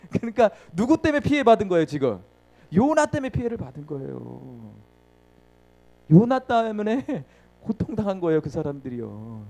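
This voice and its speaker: A man's voice: sits high, sing-song, normal speed, vocal fry, warm tone. A man preaching a sermon, asking the congregation questions and answering them himself, acting out the story with sound words and laughing often.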